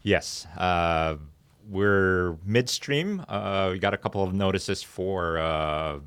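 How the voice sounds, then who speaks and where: A man speaking as a company founder and interview guest in a studio, explaining in a halting way as he pieces his thoughts together. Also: deep voice, fairly bright tone, clear, resonant tone. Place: podcast studio.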